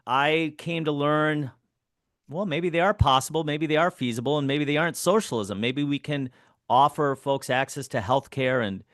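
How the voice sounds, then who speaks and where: A man's voice: fairly high pitch, moderate pace, a bit bright, no room sound, studio quality. A man from Wisconsin, a professor, speaking as an interview guest in an earnest, reflective way. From Wisconsin, United States.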